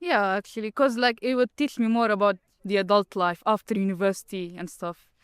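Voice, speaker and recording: A woman in her twenties, a university student, answering in a hesitant, soft-spoken way. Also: medium pitch, fairly even intonation, fairly quick, clear, resonant tone, no echo, clean studio sound. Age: 20s.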